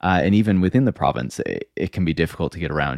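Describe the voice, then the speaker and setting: Vocal fry marks this man's very fast speech, recorded dry and close with no echo, very clean, with a silent background. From Newfoundland, Canada (St. John's). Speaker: writer and tech critic. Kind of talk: interview. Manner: hesitant, many fillers.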